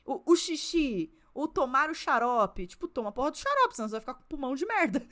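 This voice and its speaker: Young São woman, podcast co-host, blunt and profane, animated pitch. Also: a little fast. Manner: blunt, swears freely, animated storytelling. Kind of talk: casual chat.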